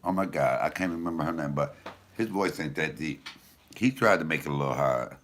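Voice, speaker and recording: A middle-aged man with a deep voice, a comedian chatting casually and profanely with viewers on a livestream. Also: brisk. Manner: animated, loose and profane storytelling.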